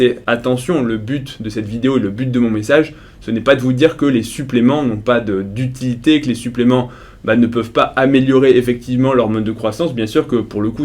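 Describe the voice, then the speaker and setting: A man's voice: mid-range voice, a little mellow. Wry middle-aged man reacting on video. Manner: conversational, ironic, critical. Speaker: fitness YouTuber. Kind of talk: casual commentary video.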